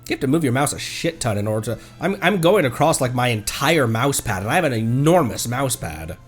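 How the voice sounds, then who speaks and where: A man livestreaming a game with casual commentary, thinking aloud in a halting way. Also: medium pitch, very animated, slightly rough, faint music behind.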